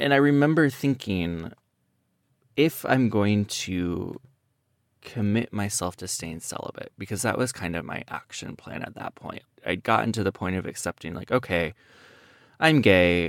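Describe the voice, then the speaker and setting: A man speaks at a moderate pace in a fairly low pitch, with long, frequent pauses. His loudness swings widely, and the sound is dry and close with no echo. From US Midwest (Iowa). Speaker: podcast host and therapist. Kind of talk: interview answers, personal storytelling.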